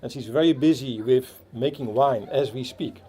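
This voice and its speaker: Dutch-accented man with a mellow voice. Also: mid-range voice, husky. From Netherlands. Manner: halting, many fillers and restarts. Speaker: Rotary club speaker. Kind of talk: outdoor opening speech. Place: outdoor playground.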